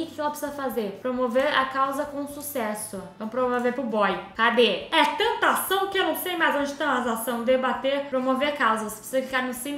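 Bright, excitable Brazilian woman. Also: high-pitched, echoey room. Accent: Brazilian Portuguese. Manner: chatty, excitable, reads game text aloud and reacts loudly. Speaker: gaming video host. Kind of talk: casual game commentary.

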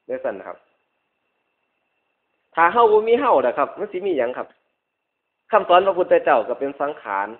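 A man with a northeastern Thai Isan accent giving a Buddhist sermon as a monk, repeating points emphatically with polite phrase endings. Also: high voice. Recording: dull lo-fi radio-like recording.

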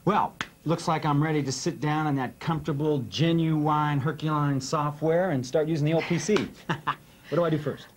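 A man's voice: on the high side, steady tone, moderate pace, slight background noise. An American man in his thirties co-presenting a scripted training video in a playful, folksy novice manner. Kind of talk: scripted question-and-answer dialogue. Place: indoor studio set.

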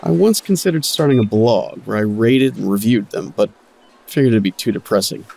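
A man's voice: on the low side, brisk, vocal fry, a little mellow. An actor playing a wry, weary working man who narrates his own story in a dry, self-deprecating way in an audio drama. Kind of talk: scripted first-person narration, noir audio drama.

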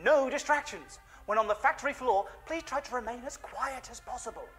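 High, manically perky safety-video host. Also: male voice, a little fast, a bit bright, soft background music. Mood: perky, officious. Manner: exaggerated perky, singsong, enunciated. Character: manically cheerful male 1990s safety-video presenter with sinister undertone. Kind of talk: scripted children's-show style corporate training video acting.

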